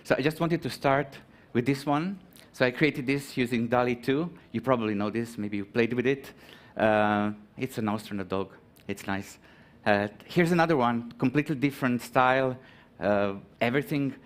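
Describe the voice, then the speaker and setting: A man's voice: mid-range voice, normal speed. A man from Croatia giving a conference talk, hesitant, with many ums and restarts. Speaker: conference speaker. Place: conference hall.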